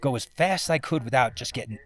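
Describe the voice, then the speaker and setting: A man giving a casual first-person vlog monologue, sounding exhausted, with a weary, halting, rambling way of talking. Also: medium pitch, expressive, fairly bright tone. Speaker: mountain climber recording a personal expedition vlog.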